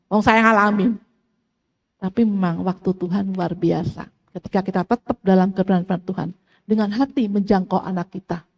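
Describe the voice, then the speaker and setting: A woman's voice: mid-range voice, creaky, breathy edge, muffled recording. Middle-aged woman preaching in an echoey hall. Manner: animated storytelling, acts out family dialogue. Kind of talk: sermon. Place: church hall.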